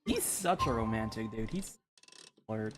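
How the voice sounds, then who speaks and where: A young woman with an unusually low voice chats through a game playthrough. Her commentary is loose, slangy and rambling, with soft music in the background. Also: lively intonation, a little slow. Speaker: gaming streamer.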